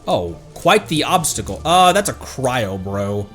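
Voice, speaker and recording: A man's voice: mid-range voice, sing-song, a little slow, a bit bright. A man giving casual, playful live commentary as he plays a video game, mimicking game lines now and then. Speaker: streamer playing a video game. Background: game music.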